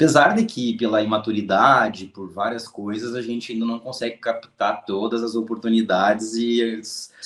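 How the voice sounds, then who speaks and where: In a southern Brazilian accent, a man speaks at a fairly slow pace with hardly any pauses. His intonation is fairly even, while his loudness swings widely. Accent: gaúcho. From Rio Grande do Sul, Brazil (Santa Maria). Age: 30s. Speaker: civil servant, exam passer. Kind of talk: interview.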